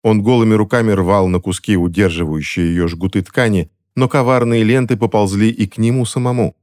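Low-voiced male audiobook narrator. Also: fairly even intonation, fairly quick, darkish tone.

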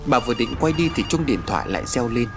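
A man narrating a ghost story in an expressive, dramatic way. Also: medium pitch, fast, music in the background.

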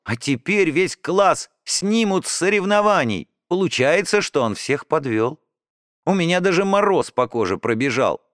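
A man narrating a children's audiobook in an expressive first-person storytelling way. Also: fairly high pitch, moderate pace, no echo, studio quality.

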